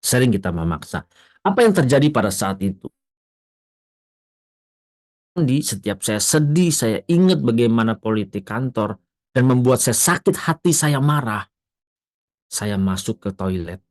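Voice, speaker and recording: A male pastor preaching a sermon, moving from quiet, low storytelling to loud, emphatic peaks. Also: no room sound.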